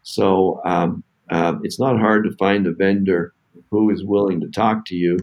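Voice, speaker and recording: A low-pitched man who founded a tech company, talking casually as a podcast guest. He stops and restarts often, filling gaps with "uh" and "you know". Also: steady tone, a little mellow, highs cut off. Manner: halting, many fillers and restarts. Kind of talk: casual podcast interview answers.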